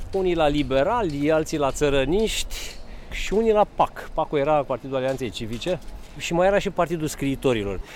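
Fairly quick and with lively intonation, a man talks in an unremarkable speaking voice pitched fairly high. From Romania, Drobeta-Turnu Severin (Oltenia). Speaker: poet. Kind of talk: casual chat. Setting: outdoors.

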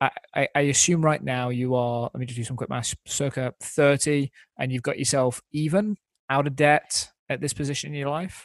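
With a normal speaking voice, a man talks at a moderate pace with fairly high pitch and fairly even intonation, in a dry, close sound with no echo. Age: 30s. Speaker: podcast host. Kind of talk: interview.

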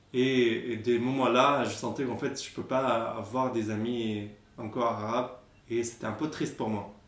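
Amid noticeable background noise and audible room echo, a medium-pitched man speaks at a fairly slow pace. His intonation is flat and monotone. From Syria, Yarmouk camp near Damascus. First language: Arabic (speaking French). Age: 20s. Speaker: refugee. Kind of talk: testimony. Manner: halting.

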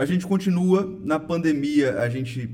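Heard with audible room echo, a man speaks at a fairly slow pace with ordinary pitch variation. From Rio de Janeiro, Brazil. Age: 30s. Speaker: pastor. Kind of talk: casual chat.

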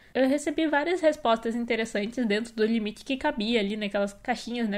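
A woman's fairly high voice at a fairly quick pace, with ordinary pitch variation and a plain, everyday voice. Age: 20s. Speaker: YouTuber and podcast host. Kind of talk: casual solo monologue. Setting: home, alone.

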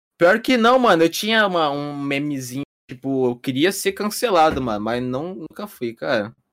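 Very wide pitch swings mark this voice, which moves at a moderate pace. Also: man, fairly high pitch for a man. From Brazil, São Paulo state interior. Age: young. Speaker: internet video creator. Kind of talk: casual chat.

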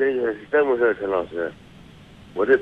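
Medium pitch from a man, with noticeable noise in the background. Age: 60s. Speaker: retired army veteran, caller. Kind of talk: phone-in call. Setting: phone call. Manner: quiet.

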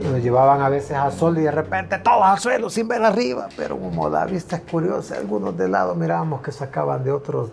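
This man's voice sits fairly high and swings very widely in pitch. He keeps a moderate pace over noticeable background noise. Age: 50s. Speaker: community journalist and former detainee. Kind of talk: testimony.

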